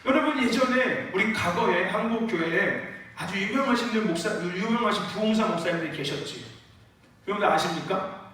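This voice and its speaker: High bright voiced pastor guy preaching, far off mic, super echoey church. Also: fairly quick. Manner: animated preaching, rising to shouts, calls for amens. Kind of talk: sermon. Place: church sanctuary.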